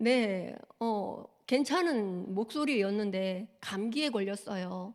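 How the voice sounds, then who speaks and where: Pitched fairly high, a woman's voice shows ordinary pitch variation. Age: 50s. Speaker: pastor. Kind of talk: sermon. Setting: church.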